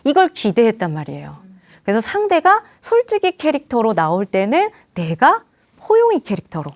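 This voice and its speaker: A woman's voice: a little high, normal speed, dry recording. A woman communication coach lecturing, acting out quoted dialogue in different voices. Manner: lively, acts out quoted dialogue in many voices. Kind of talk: lecture with acted examples.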